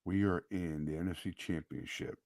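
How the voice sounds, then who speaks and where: A deep-voiced man talking sports in a casual podcast, eager and a little scattered, restarting his sentences as he goes. His voice sounds slightly worn from yelling, and the recording is close and dry. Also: normal speed, no echo. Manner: excitable, trips over his words. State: voice nearly lost from yelling. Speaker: podcast co-host.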